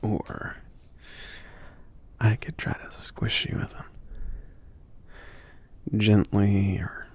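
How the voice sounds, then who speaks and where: Easygoing mage shopkeeper, male actor, ASMR roleplay: low, slow, hesitant half-whisper, softly teasing and bashful, breathy with some gravel. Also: flat delivery, full character voice. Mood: gently teasing. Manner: hesitant, rambling, gently teasing.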